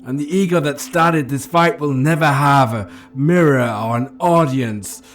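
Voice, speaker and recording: A man playing a brooding rebel spymaster who damns himself in a grave, deliberate dramatic film monologue. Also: medium pitch, lightly acted. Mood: anguished, defiant. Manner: grave, deliberate, building to intense declamation. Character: brooding, self-damned rebel spymaster confessing his sacrifices.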